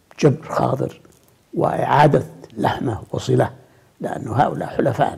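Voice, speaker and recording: A man talks very slowly with a quiet background behind him. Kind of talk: interview answer. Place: studio. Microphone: lapel.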